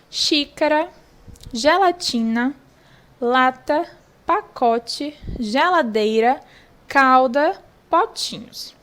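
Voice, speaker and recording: A woman's voice: sits high, fairly bright tone. A young woman with a Brazilian Portuguese accent, teaching an online lesson and patiently going through a worksheet, repeating key points for children.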